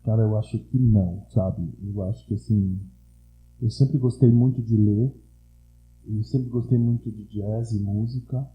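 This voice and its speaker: Mellow older man with São Paulo Italian accent. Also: on the low side, steady tone, measured pace, muffled recording. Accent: Italian-influenced São Paulo Portuguese. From São Paulo, Brazil. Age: 60s. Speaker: interview guest. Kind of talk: casual chat. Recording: roomy, echoey sound.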